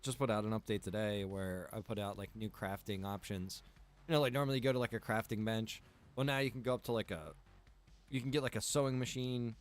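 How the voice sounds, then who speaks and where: A man's voice: on the low side, fairly even intonation, a little fast, soft background music. A man talking casually and easily to viewers as he hosts a live gameplay stream, chatty and direct. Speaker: game streamer and server admin.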